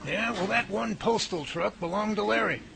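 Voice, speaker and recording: A man playing a professor who calmly reasons things out and takes charge, in an amateur radio drama. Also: sits high, moderate pace, gravelly. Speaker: professor leading a research lab. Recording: noisy amateur recording.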